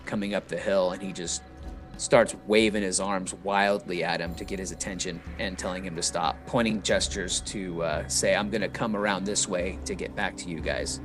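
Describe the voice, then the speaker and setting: A man's voice: deep voice, fairly even intonation, normal speed, a bit bright, soft background music. A man playing a tabletop game, talking hesitantly with lots of fillers as he describes his character. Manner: hesitant, many fillers and restarts. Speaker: player. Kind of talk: tabletop role-play chat.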